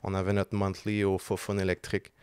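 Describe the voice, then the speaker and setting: Low, flat-voiced Québécois man. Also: a little fast, clear, resonant tone. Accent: Québécois French. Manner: switches freely between French and English slang. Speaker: band member and lead vocalist, guest. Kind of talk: casual podcast conversation. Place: podcast studio.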